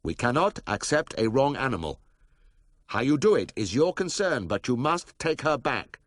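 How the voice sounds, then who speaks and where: A man's voice: medium pitch, very animated, no room sound, studio quality, pitched above the performer's own voice, natural voice. A man voicing a proud, stern middle-aged vet who speaks formally. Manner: formal, measured, unbending.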